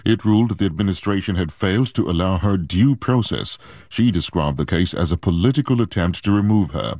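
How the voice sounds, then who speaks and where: A man reading a radio news bulletin in a measured, formal way. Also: deep voice, lively intonation, a little mellow, no echo, clean studio sound. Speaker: newsreader.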